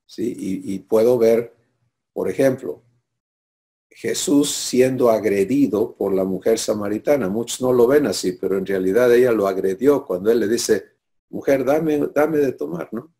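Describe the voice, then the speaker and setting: Low, mellow man preaching. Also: moderate pace. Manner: teaching, asks listeners for assent. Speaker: pastor. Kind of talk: sermon.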